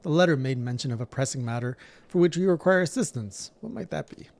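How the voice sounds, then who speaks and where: A man's voice: fairly high pitch, lively intonation, fast, gravelly, a little mellow. A man reading as a courteous noble commander. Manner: formal, stately old-fashioned phrasing.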